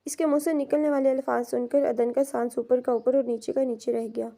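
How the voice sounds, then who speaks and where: High, mellow woman narrating a novel. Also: gravelly. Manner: steady storytelling. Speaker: audio novel reader. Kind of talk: scripted narration.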